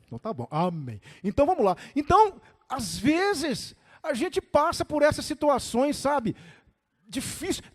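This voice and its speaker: Male pastor, very high voice, lively swooping delivery, sermon, long church-hall echo. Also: a little slow. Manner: animated storytelling, calling on listeners by name. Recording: echoey hall reverb.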